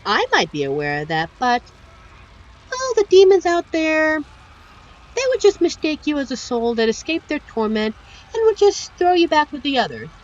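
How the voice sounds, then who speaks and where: A woman's voice: sits high, huge pitch swings, moderate pace, dull audio. A woman voicing a seductive, teasing female demon in a scripted ASMR roleplay, speaking with a coy, condescending, theatrical manner. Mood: sly, menacing.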